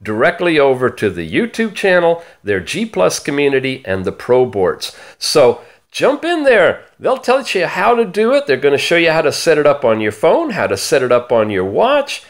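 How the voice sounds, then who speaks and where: Animated, higher-voiced man hosting gadget news. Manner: animated, theatrical emphasis with drawn-out key words. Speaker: host of a smartwatch review channel. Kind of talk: upbeat product-news presentation to camera.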